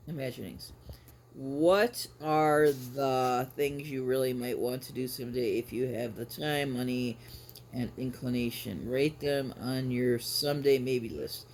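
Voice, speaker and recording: Clear ambient noise sits behind a man with a mid-pitched voice. He talks like a casual vlogger at home with the camera, rambling along and often breaking off to correct himself. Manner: rambling, self-interrupting. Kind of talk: casual chatty vlog with some reading aloud.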